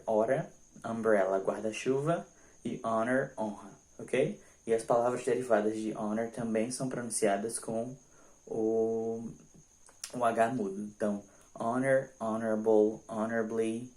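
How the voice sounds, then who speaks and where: A man whose first language is Portuguese teaching an English grammar lesson, explaining patiently and repeating examples slowly. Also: on the low side, a little mellow. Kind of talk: online grammar lesson with slides.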